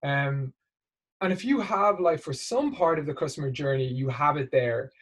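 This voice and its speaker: A man's voice: a little high, normal speed, fairly bright tone. A man speaking as an executive guest in a business interview, explaining conversationally and often checking in with tag questions.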